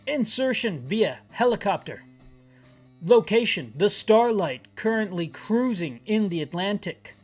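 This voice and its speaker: A man talks through a video game for listeners who can't see it. He describes each screen and wanders into wry, self-mocking tangents in a relaxed, chatty commentary. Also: high-pitched, measured pace, soft background music. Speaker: gaming channel host.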